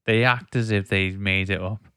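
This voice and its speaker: A man's voice: on the low side, fairly even intonation, moderate pace, a bit bright, clean tone, no room sound, studio quality. A man hosting a podcast, chatting informally about music in a rambling way and often checking for agreement. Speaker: podcast host. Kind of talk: casual music discussion chat.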